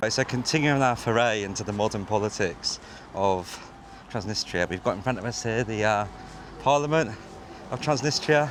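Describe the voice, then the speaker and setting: Over noticeable background noise, a man talks at a moderate pace and medium pitch, with long, frequent pauses. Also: ordinary pitch variation. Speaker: travel vlogger. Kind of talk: travel vlog narration.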